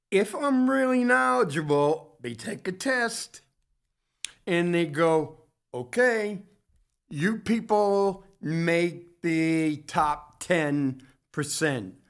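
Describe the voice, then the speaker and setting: Man, community TV host, lecture-style commentary, halting, self-correcting, very slow pace. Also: fairly high pitch. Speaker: host of a local community TV talk show.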